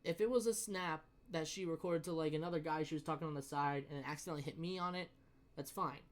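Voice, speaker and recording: A young adult man telling a story in a casual rant, profane and emphatic, often halting and repeating his words. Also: a little high, steady tone.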